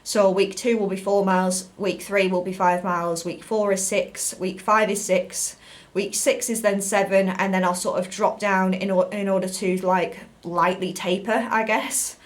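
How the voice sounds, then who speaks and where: A British woman chats to camera in the casual style of a fitness vlogger. Her voice sits at a medium pitch, and she explains things in a loose, rambling way. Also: flat delivery, moderate pace.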